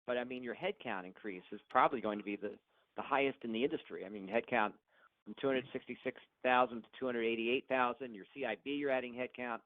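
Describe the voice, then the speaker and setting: A man's voice: medium pitch, fast, no echo. A man questioning executives as an analyst on an earnings call, blunt and pressing in a conversational way. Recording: dull, dry conference phone audio.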